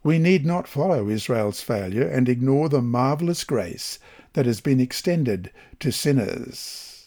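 A man reading a Bible study lesson aloud in a measured, even scripted delivery. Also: mid-range voice. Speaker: lesson reader.

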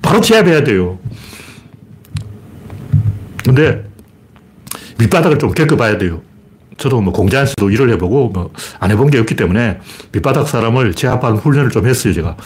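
Blunt, animated middle-aged male commentator. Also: mid-range voice, fairly quick, pauses often. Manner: blunt, colloquial, asks and answers his own questions. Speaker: livestream host. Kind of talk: solo political commentary livestream.

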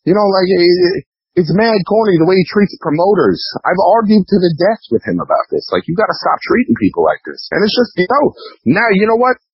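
A high-pitched man rants over a dull phone line. He is blunt and profane, repeats points for emphasis and swings his pitch around freely. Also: very animated, brisk, slightly rough, dry recording. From New York, US. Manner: blunt, repeats himself, imitates others' remarks. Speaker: interview guest, underground rapper. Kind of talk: casual, profane phone interview rant. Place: phone call.

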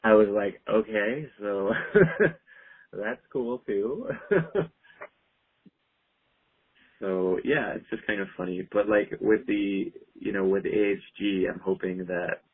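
A man with a lowish, slightly rough voice speaks slowly as a guest on a speakerphone call; he's a clinical herbalist. His casual interview talk rambles easily, packed with fillers like "like" and "you know," and the phone line sounds tinny.

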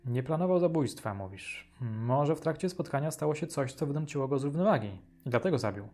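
A man's voice: mid-range voice, animated, fairly quick, a little mellow, natural voice. A man voicing a tired, reflective middle-aged police commissioner in an audiobook. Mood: thoughtful. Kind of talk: audiobook character voice.

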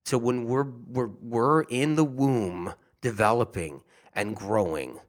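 A man's voice: mid-range voice, slow. A man talking casually and earnestly to his audience about health, rambling and often repeating himself. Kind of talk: casual monologue.

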